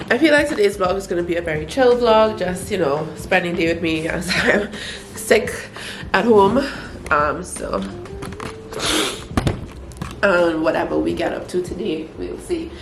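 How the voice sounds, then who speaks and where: A woman's voice: medium pitch, creaky. A young woman from Trinidad with a Trinidadian accent, chatting casually in a home vlog while stuffy and congested, with lots of fillers. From Trinidad and Tobago. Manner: relaxed, chatty, frequent fillers. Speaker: vlogger. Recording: echoey room, faint ambient noise.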